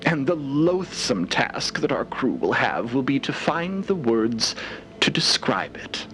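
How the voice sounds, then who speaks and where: An actor playing an eager, optimistic scholar-explorer in an audio drama, with florid, formal, wonderstruck phrasing. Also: male voice, mid-range voice, very animated, slow, fairly bright tone, a little hiss or hum. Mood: eager, grandiose. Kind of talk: audio drama acting as an interviewee.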